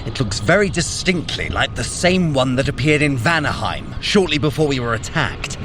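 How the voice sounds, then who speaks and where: A man's voice: medium pitch, lively intonation, moderate pace, lightly acted. An actor playing a vain, sarcastic male trickster god in a scripted audio drama, theatrical and full of self-praise. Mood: sardonic. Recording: music bed under the voice.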